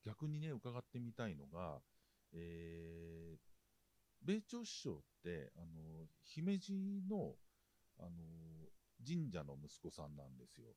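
A man as a podcast guest, talking in a measured way with drawn-out fillers while posing questions. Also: sits low, sing-song, dark tone, no room sound. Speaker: broadcast writer, podcast guest. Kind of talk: casual chat.

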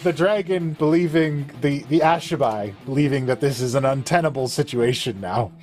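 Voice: mid-range voice, moderate pace, darkish tone, faint music behind. A game master narrating a tabletop role-playing game among players.

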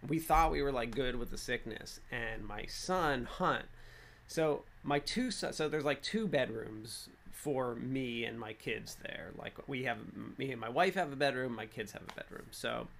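A man's voice: mid-range voice, lively intonation, a little slow, creaky, fairly bright tone. A man in his thirties chatting casually in a rambling vlog, with lots of fillers and restarts. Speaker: vlogger.

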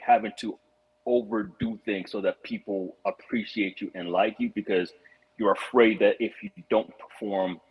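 A man from Rwanda talks through his experiences as a podcast guest, reflective and earnest, often restarting his sentences. His voice sits fairly low and has a breathy, husky edge. The recording is muffled and lo-fi. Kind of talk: casual podcast conversation. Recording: muffled lo-fi audio.

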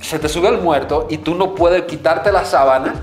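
Animated Caribbean-born man, roomy echo. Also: a little high, normal speed, faint music behind. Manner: animated, acts out his own shouts when telling stories, heavy slang. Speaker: podcast co-host. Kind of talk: casual chat, storytelling.

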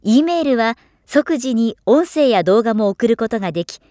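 A woman's voice: fairly high pitch, expressive, dark tone, no echo. Polished female narrator, dry studio sound. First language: Japanese. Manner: clearly articulated, measured, formal. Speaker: professional voice-over narrator. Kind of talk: polished scripted narration for demos.

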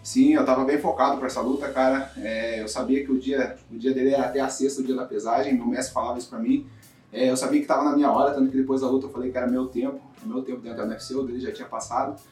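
A man from talks fast and upbeat as an interview guest. He often tags his sentences with little questions. His voice sounds distant and roomy, with music playing faintly underneath. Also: mid-range voice, fairly even intonation, darkish tone. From Brazil. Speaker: guest fighter. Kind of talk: casual interview. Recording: roomy, off-mic with music behind.

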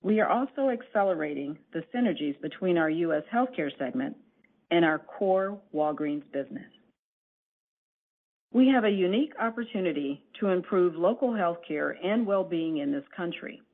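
A woman company executive giving a formal, scripted earnings presentation in a measured, deliberate way over a conference call line. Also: on the low side, animated. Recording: narrowband phone conference line.

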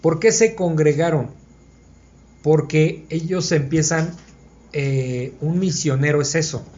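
Speaking slowly in a slightly high, slightly mellow voice, a man conducts an informal Bible study for a small group. He voices his thinking as he goes and keeps making sure his listeners follow. The recording is dull and lo-fi.

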